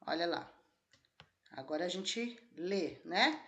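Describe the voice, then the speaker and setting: Bright-voiced teacher woman. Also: fairly low pitch, lively intonation, slow pace. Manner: explains step by step, asks the class questions. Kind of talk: exam-prep lesson walkthrough.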